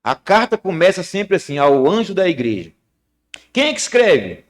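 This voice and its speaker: A man preaching a sermon in church as a guest preacher, telling stories with sudden swings between loud, high moments and low, quiet ones. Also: big pitch swings, moderate pace. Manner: storytelling, with sharp rises and drops in pitch and loudness.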